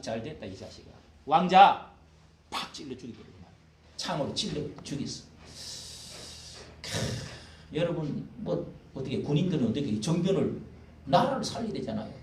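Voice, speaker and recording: Older male pastor preaching, folksy and animated, fairly high voice that swings widely, recorded from a distance in an echoey hall. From South Korea. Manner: animated, folksy, acts out quotes. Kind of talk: expository sermon. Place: church hall. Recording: echoey room, mic at a distance.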